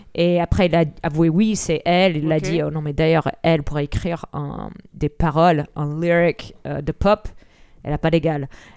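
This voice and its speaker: A woman with a very deep, low pitch talks in a monotone, flat intonation, recorded with a dry, close sound and no echo. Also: moderate pace. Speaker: former radio host, guest. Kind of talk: casual chat.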